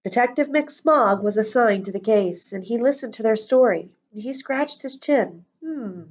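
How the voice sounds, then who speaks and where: A woman reading a children's storybook aloud in an expressive, deliberate schoolteacher's manner. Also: fairly high pitch. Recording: dull lo-fi audio.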